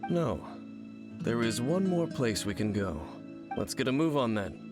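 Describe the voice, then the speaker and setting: An actor playing a grave, enigmatic, world-weary wanderer in a video game, speaking in a solemn, measured, formal way. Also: male voice, medium pitch, very animated. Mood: composed. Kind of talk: video game character acting. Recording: game music behind the voice.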